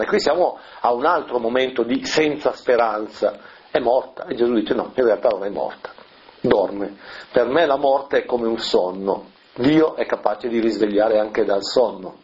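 A man giving a sermon that explains a Bible passage, unhurried and explanatory, with rhetorical questions and filler sounds. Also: medium pitch. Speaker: preacher. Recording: dull lo-fi recording.

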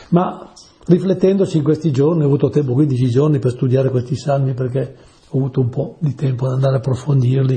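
A man giving a Bible commentary talk, reading verses slowly and emphatically, then explaining them in a chatty way. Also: medium pitch, dark tone. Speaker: preacher explaining a psalm.

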